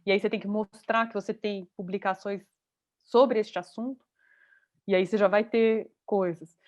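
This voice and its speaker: A woman's voice: medium pitch, steady tone, moderate pace, darkish tone, lo-fi sound. A woman teaching an online journalism class over a video call, talking in a chatty way and thinking aloud. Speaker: journalism course instructor.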